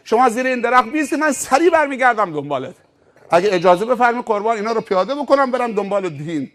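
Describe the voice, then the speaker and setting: A man's voice: extremely high pitch, sing-song, a bit bright, pitched above the performer's own voice, exaggerated voice. A man voicing a frightened rich driver in a sermon story, who apologises and stammers. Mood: pleading.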